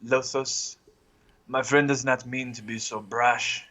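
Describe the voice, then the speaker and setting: Man playing a bright, courteous adventurer. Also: mid-range voice, fairly even intonation. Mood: courteous, diplomatic. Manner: formal, measured, polite phrasing. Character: courteous, formal male adventurer, diplomatic and soothing. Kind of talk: tabletop game role-play.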